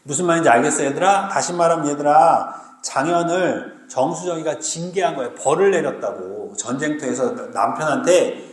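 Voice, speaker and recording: A man teaching a Korean literature class live, lively and slangy, often checking whether students understand. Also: fairly high pitch, normal speed, hardly any pauses, reverberant, rough recording. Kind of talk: classroom lecture.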